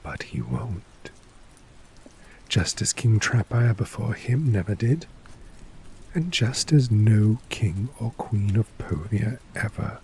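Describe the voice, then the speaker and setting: A man playing a jaded, shrewd guard commander in a fantasy ASMR role play, speaking with measured, condescending theatricality and dramatic pauses in a gravelly, breathy voice. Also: on the low side, a little mellow, slight background noise, full character voice, rough recording. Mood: scornful, intense.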